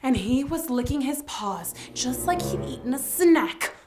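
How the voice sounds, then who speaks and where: A woman's voice: high voice, expressive, measured pace, heavy background noise. A woman hosting children's story time, telling tales in a theatrical, exclamatory, playful way. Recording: music bed behind the voice.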